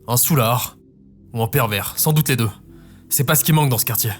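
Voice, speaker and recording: An actor playing a cold, dismissive armed male officer in an audio drama, speaking calmly and curtly. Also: mid-range voice, brisk, soft background music, natural voice. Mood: contemptuous. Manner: calm, curt, contemptuous. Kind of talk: dramatised audio narrative, character acting.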